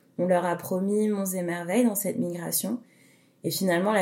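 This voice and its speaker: The woman's tone is dark and mellow. She keeps a moderate pace. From metropolitan France, Martinican parents. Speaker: podcast co-host. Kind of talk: scripted podcast narration and dialogue.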